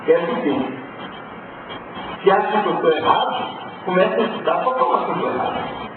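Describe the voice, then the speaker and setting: Man, teacher, emphatic, provocative, rhetorical questions, high voice, tinny lo-fi sound, loud room ambience. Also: animated, a little fast, noisy background. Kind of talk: spiritual lecture to a class. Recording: distant, phone-like, echoey hall recording with loud ambience.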